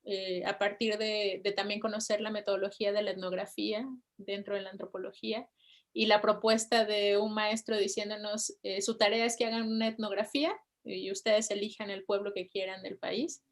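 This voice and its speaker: A woman's voice: mid-range voice, level tone, moderate pace. A woman from Oaxaca with a Mexican Spanish accent, a film director speaking thoughtfully and hesitantly.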